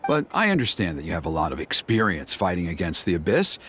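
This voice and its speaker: A man playing a smooth, flattering old tribal elder in a video game, with a courteous, formal and persuasive manner. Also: sits low, fast, a little hiss or hum. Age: older.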